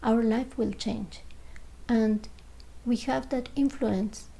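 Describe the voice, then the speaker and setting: Gravelly, mellow woman guiding meditation. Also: fairly high pitch, fairly even intonation. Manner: slow, gentle, with long pauses between short phrases. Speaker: meditation guide. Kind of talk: guided meditation.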